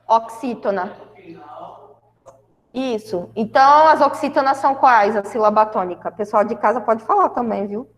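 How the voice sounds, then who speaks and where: A woman's voice: on the high side, normal speed, long reverb tail. A Brazilian woman teaching a grammar lesson to a class, explaining step by step and often checking in with her students. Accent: Brazilian Portuguese. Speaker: school Portuguese teacher.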